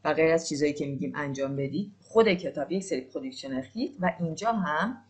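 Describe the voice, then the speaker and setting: Woman teaching French, slow clear examples. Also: sits low, animated, a little mellow. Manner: slow, drawn-out French examples between quick Persian explanations; spells words letter by letter. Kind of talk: language lesson.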